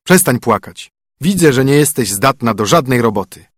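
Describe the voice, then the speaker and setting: A man's voice: medium pitch, expressive, moderate pace, no room sound, clean studio sound, lightly acted. A man voicing a stern young king disguised as a poor fiddler, commanding, in a storybook reading. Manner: commanding, firm.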